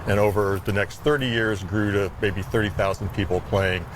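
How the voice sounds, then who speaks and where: A man's voice: lowish voice, fairly even intonation, normal speed, crowd noise, low-quality recording. A man speaking as a sports instructor, explaining things informally in a live TV interview. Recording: music playing behind the voice. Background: background music.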